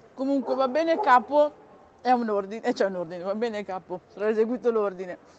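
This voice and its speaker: Her pitch fairly high and her intonation lively, a woman talks at a very fast pace. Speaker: field reporter. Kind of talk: live on-scene report.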